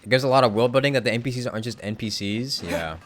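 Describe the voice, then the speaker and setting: A man's voice: medium pitch, fast. A young man casually commenting on a game story during a live stream, rambling with hedges and the odd swear word.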